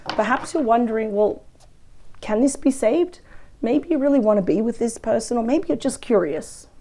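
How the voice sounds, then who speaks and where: A woman with a weak, croaky voice from a cold, chatting through a weekly tarot reading. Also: fairly high pitch, lively intonation, moderate pace, warm tone. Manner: chatty, thinks aloud over the cards. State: hoarse from a cold. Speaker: tarot reader. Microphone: close microphone.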